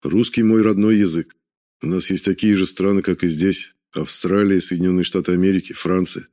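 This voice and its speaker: Guy reading a cagey soldier, calm and measured, super low voice. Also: close to an everyday voice. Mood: explaining. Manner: measured, guarded. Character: guarded Russian soldier from another world, male.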